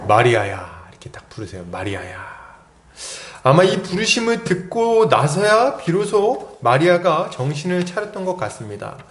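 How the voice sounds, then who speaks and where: A male pastor delivers a sermon in a slightly higher-than-average voice. He tells the story with lively, dramatic turns and bursts into loud cries for the quoted lines. The sound rings around an echoey church hall. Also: normal speed, few pauses. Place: church sanctuary.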